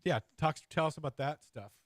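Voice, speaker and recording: A man hosting a casual interview, informal and bantering, with halting phrasing. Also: a little high, dry recording, studio quality. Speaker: interview host. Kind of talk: casual, jokey chat.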